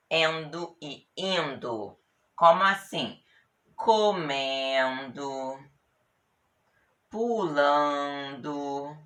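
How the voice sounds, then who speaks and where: A woman teacher with a Brazilian Portuguese accent and a low, somewhat bright voice patiently gives a grammar lesson. She stretches out example words and checks in with her students often.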